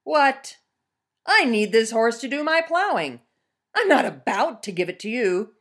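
A woman voicing a frightened male peasant farmer who pleads in a high, panicky voice. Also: big pitch swings, a little slow, fairly bright tone, exaggerated voice.

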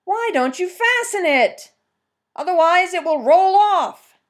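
A woman voicing a hunter calling out from the woods in a high, shouted voice. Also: animated, slow pace, exaggerated voice.

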